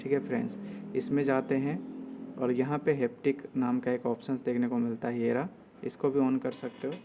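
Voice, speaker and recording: A man's voice: medium pitch, flat delivery, normal speed, noisy background. A man explaining settings step by step in a casual tutorial style, often repeating himself as host.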